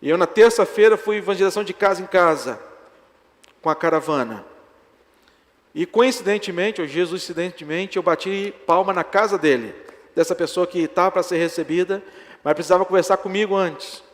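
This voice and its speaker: A man's voice: high-pitched, fairly quick. Storytelling male pastor in an echoing church. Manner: animated, acts out dialogue in his stories. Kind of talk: sermon with storytelling. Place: church sanctuary. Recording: reverberant church hall.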